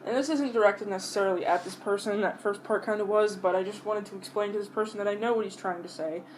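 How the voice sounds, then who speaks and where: A woman vlogger rambling casually to her viewers while she eats, pausing to chew between bites, with blunt, sweary talk. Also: mid-range voice, slight background noise, poor audio. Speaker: mukbang vlogger.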